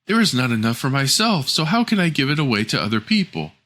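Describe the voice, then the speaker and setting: A man's voice: mid-range voice, very animated, quick pace, a bit bright, pitched above the performer's own voice. A man voicing a spoiled, envious and rude daughter in a storybook, haughty and sullen.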